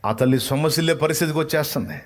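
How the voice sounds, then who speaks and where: A man's voice: a little high, rapid-fire. Man preaching with fervent repetition. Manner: impassioned storytelling with rhetorical questions; repeats key phrases for emphasis. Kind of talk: sermon.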